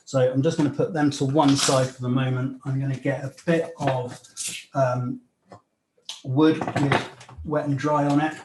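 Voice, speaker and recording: In a live demonstration, a young man from Nigeria talks through his jewellery craft and fields interview questions as he files and sands, his speech easygoing, hesitant and full of fillers and false starts. He speaks at a normal middle pitch. Behind him, the cramped, echoey workshop adds tool clicks and a light hiss.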